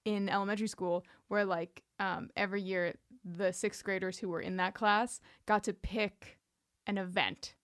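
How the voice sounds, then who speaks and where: A woman's voice: mid-range voice, fairly even intonation, normal speed, clear, resonant tone, no echo, studio quality. A woman co-hosting a podcast, chatting and telling stories in an informal, wry and playful way. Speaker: podcast co-host. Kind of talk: casual chat and personal storytelling.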